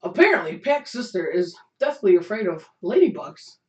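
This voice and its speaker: A hoarse man with a Chicago accent riffs and teases in loose webcast banter. The sound is dull and lo-fi, with a roomy echo around his voice. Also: high-pitched, sing-song, moderate pace. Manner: joking, teasing banter. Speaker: podcast co-host. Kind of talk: casual chat. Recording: echoey room, dull lo-fi sound.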